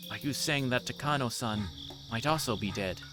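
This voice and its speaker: A man's voice: medium pitch, moderate pace, over music, lightly acted. A man voicing an earnest, defensive clinic doctor in a visual novel. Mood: disbelieving.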